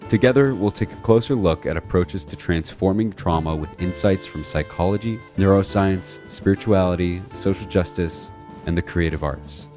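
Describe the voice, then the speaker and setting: A man reading a scripted podcast introduction in a measured, even delivery. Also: low voice. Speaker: announcer. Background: faint guitar music.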